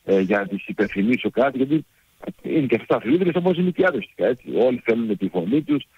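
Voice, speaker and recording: A man who coaches a women's football team, answering in a hesitant, measured way with many fillers. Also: medium pitch, animated, slightly rough, no room sound, dull audio.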